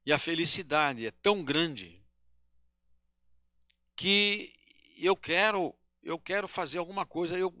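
Slow, bright-voiced older man lecturing. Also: on the high side, no room sound, clean studio sound. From Brazil. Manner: slow, halting, with many pauses and self-corrections. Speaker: spiritist lecturer. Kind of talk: devotional lecture. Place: small lecture hall with rows of chairs. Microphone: handheld microphone at a podium.

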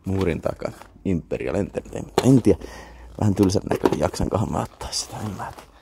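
Young Finnish man, low and gravelly, mumbling half-whispered asides, noisy camera mic. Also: expressive. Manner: mutters to himself, half-whispered asides, swears offhand. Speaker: vlogger browsing a flea market. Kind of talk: casual muttered commentary to camera. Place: indoor flea market.

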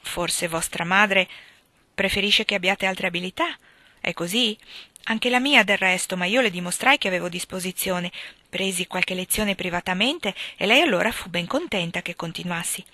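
Brief: storybook reading of a condescending young English lady, voiced by a woman, bright and dry. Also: medium pitch, normal speed, dry recording. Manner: patronizing, polite and superior.

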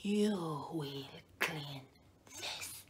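A woman in middle age playing a menacing, bossy crazy woman in a comedy monologue, hissing clipped commands. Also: sits low. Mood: seething menace. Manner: slow, hissed, clipped commands. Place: indoor room, plain wall.

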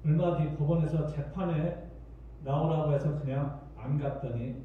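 A man's voice: a little high, fairly even intonation, moderate pace, slight background noise. A man teacher carefully reading a quiz scenario aloud in a training session. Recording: dull echoey room from far off.

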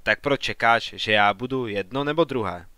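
An ambitious young engineer pleads his case with earnest heat, as a man reading the story puts him on. The voice sits at an ordinary middle pitch. It is recorded dry and close. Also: sharp tone, dry recording, natural voice. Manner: earnest, argumentative.

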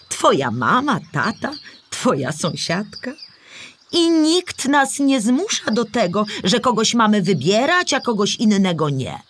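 A woman's voice: mid-range voice, a little hiss or hum. A woman playing a kindly old storybook animal who patiently explains history to a child in a children's audio play. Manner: patient, clear explaining in simple words.

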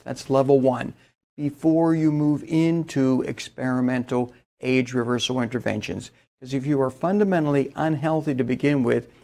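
A man's voice: mid-range voice, creaky, a little mellow. A man giving a conference keynote lecture, explaining research with enthusiasm. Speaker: keynote speaker. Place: indoors, in front of a slide backdrop.

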